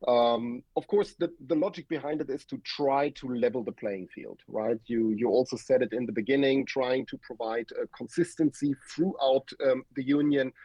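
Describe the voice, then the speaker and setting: Husky German-accented male professor, dull audio. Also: medium pitch, warm tone, dry recording. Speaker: guest academic expert, professor. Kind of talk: explanatory interview talk. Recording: dull, lo-fi remote connection.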